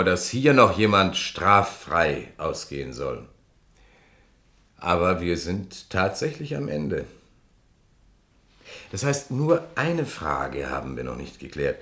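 An actor playing a shrewd, sardonic police detective in a German crime radio play, speaking in a deliberate, theatrical way. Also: male voice, deep voice, animated, fairly bright tone. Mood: triumphant, summing up.

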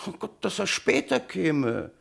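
An actor playing a testy office worker under questioning in a radio crime play, curt and defensive. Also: male voice, high voice, big pitch swings, unhurried, vocal fry, fairly bright tone, husky, heavily acted. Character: testy male office colleague giving his alibi.

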